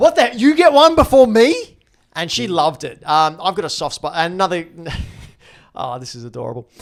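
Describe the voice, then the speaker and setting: Speaking with an Australian accent, a man swings his pitch very widely. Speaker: podcast co-host. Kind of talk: casual chat.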